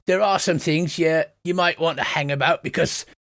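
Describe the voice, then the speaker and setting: A grumbling, half-deaf old goblin behind a carnival ticket counter, put on by a man. He drawls his words out slowly in a slightly raised voice, peering at customers and muttering complaints. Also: fairly high pitch, fairly bright tone. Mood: businesslike. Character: elderly male goblin ticket seller, hard of hearing, gruff.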